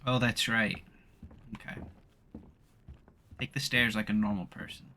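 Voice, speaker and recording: A man's voice: on the low side, fairly even intonation, a little slow, bright, forceful tone, slight background noise. A man chatting casually and offhandedly with wry remarks while playing a game. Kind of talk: casual chat while gaming.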